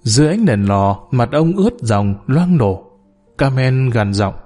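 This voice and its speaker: A man narrating a dramatic audiobook in a vivid, measured way. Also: mid-range voice, sing-song, mellow. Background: faint music.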